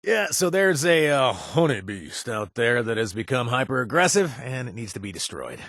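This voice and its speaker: A man's voice: mid-range voice, sing-song, moderate pace, a bit bright, dry recording, clean studio sound. An actor playing a laid-back, wisecracking young male mercenary in a video game, talking casually with joking asides and filler sounds. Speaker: quest-giving companion. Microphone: dry studio recording.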